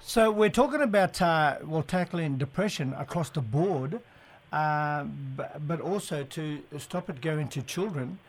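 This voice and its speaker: A man's voice: fairly high pitch, animated, unhurried. A man with an Aboriginal Australian accent presenting live talkback radio in a colloquial, matey way. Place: radio studio.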